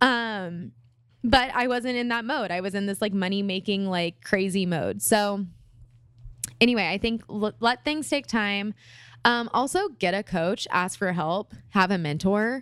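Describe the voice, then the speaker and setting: At a fairly slow pace, this woman uses an ordinary speaking voice. Her medium pitch shows ordinary variation. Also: very clean recording, silent background. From US West Coast, San Diego. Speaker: marketing agency owner. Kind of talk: casual chat.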